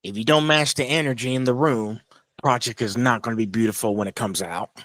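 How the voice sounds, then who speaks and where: A man's voice: medium pitch, brisk, fairly bright tone, dry recording. Man hosting a casual interview. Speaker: interview host.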